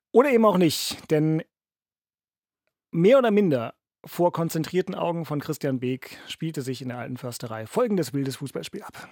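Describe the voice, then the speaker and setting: A man's voice: mid-range voice, vocal fry, a little mellow, no room sound, studio quality. A man hosting a casual football podcast, wry and a little wordy in his delivery. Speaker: podcast host.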